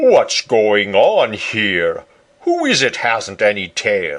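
The speech goes at a very slow pace. It is delivered in a put-on character voice.

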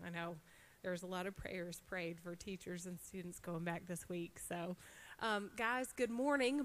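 At a moderate pace, a woman with a medium pitch and ordinary pitch variation talks in a normal speaking voice. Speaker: church announcer. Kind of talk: announcements. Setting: church. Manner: casual, friendly.

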